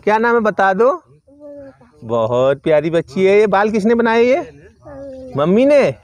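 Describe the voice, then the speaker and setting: A man's voice: high voice, lively intonation, unhurried. Playful middle-aged man vlogging village life. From Uttarakhand, India. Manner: teasing, playful chatter with family, animals and children. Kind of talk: casual vlog chat, narrating daily life and talking to those around. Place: village home, mostly outdoors in yard and fields. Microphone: phone at arm's length.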